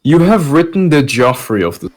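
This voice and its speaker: Lively, mock-dramatic man chatting. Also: a little high, normal speed. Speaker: podcast host. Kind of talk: casual group chat, commentary.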